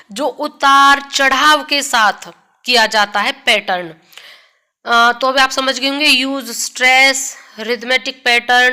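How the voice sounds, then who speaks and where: Bright-voiced woman teaching exam prep. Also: on the high side. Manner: explains step by step, reads questions slowly.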